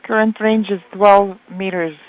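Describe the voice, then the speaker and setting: Working as a simultaneous interpreter, a woman voices live translation of flight controllers' speech over an audio loop, at medium pitch with a steady tone and measured pace. She hesitates and uses many filler sounds. There's no echo, but the audio is narrow and phone-like, like a radio loop.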